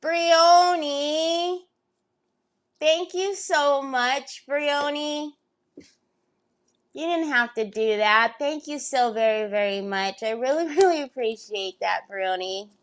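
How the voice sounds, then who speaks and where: A woman in her fifties with a high, bright-sounding voice hosts a craft livestream. She greets viewers one by one in a bubbly, chatty way and laughs easily. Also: slow pace. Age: 50s.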